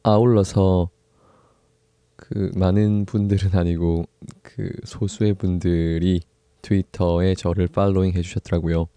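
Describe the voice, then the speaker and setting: A young man hosting his own book podcast, talking in an easygoing, soft-spoken way with pauses and small laughs. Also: low-pitched, level tone, clean tone, no room sound. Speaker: podcast host. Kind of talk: casual solo book podcast talk.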